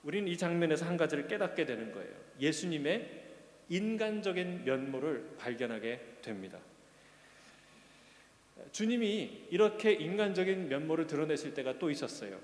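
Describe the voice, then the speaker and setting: Man preaching, kinda high voice, earnest, booming in a big echoey church. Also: big pitch swings, moderate pace. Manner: earnest, questioning, rising to emphatic peaks. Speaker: pastor. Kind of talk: sermon. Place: church sanctuary.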